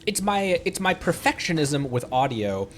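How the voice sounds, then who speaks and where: Chatty man streaming, lively pitch. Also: moderate pace, a little hiss or hum. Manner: rambling, punning, laughs often. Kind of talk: casual gaming livestream chat.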